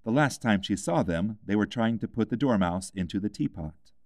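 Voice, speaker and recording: A man's voice: fairly low pitch, lively intonation, normal speed, a little mellow, dry recording, clean studio sound. A man reading a scripted children's classic as an audiobook narrator.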